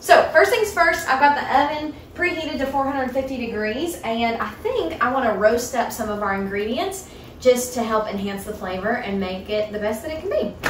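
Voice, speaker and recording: A woman with a high voice at a moderate pace, with audible room echo and light background noise. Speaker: home cook vlogger. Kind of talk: cooking tutorial. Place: kitchen. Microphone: camera far.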